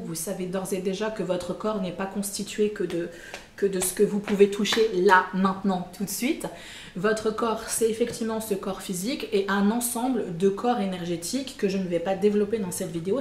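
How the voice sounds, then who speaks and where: A woman with a medium-pitched, somewhat dark voice chats casually to her viewers about personal development, full of fillers and self-mocking asides. It's a relaxed explainer to camera, recorded in an echoey room with faint background noise.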